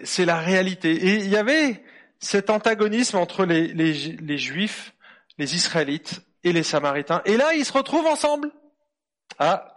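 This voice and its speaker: Male preacher with a high-pitched voice, informal family sermon, engages his audience with questions. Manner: asks the audience lively questions. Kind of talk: conversational sermon for children and adults.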